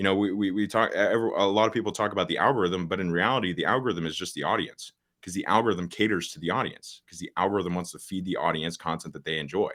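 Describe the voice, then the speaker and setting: A man's fairly low voice at a very fast clip, hardly any pauses, ordinary pitch variation and big swings in loudness. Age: 19. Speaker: content creator and social media agency founder. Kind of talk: podcast interview. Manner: fast, with many repeated words and fillers.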